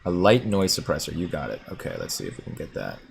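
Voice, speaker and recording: Deep-voiced man hosting a chatty livestream. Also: huge pitch swings, fast talker, vocal fry, slight background noise. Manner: chatty, laughs often, muses aloud. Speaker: livestream host reading viewer comments. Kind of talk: casual livestream chat about stocks.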